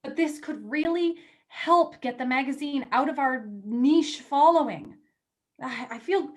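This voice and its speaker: An eager young female magazine editor, as an actress plays her in a staged reading. Her voice sits on the high side. She teases and coaxes in natural, stammering bursts of dialogue.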